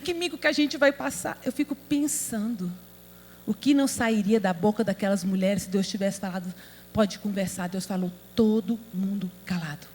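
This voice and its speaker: A woman's voice: mid-range voice, normal speed, a little mellow. A woman pastor from Brazil preaching a sermon, emphatic and asking the audience rhetorical questions. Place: large convention hall. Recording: hall reverb with mains hum.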